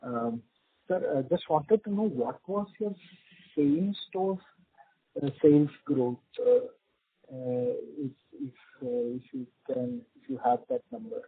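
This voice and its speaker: Gravelly caller on a tinny line. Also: male voice, fairly high pitch, sing-song. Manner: halting, repeats words. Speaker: fund analyst caller. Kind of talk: earnings call question.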